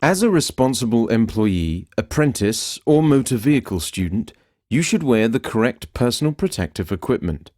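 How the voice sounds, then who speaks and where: Mellow man reading a commercial voice-over. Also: mid-range voice, no echo, clean studio sound.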